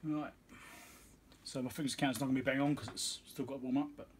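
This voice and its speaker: A man's voice: medium pitch, steady tone, fast talker. Offhand man muttering over noisy background. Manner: muttering, offhand, thinking aloud. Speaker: electronics repair technician and video host. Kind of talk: casual bench commentary while working. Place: small cluttered indoor electronics workbench.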